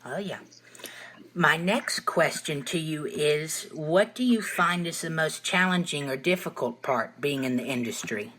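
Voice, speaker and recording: A man's voice: a little high, animated, a little slow, sharp tone. A nineteen-year-old man hosting an interview, easygoing and agreeable. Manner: easygoing, agreeable, many fillers and short acknowledgments. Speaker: interviewer, host. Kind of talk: casual interview.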